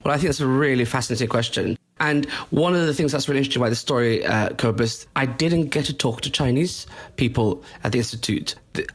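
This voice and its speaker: Measured male reporter, thoughtful pace. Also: medium pitch. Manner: measured, explanatory, frequent fillers. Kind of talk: discussion panel, reporting from the field.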